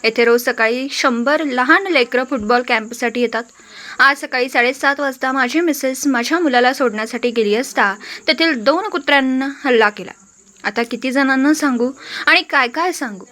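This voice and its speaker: A woman's voice: high voice, normal speed, pushed and bright. A woman news reader earnestly reading out a resident's indignant complaint as a regional news report.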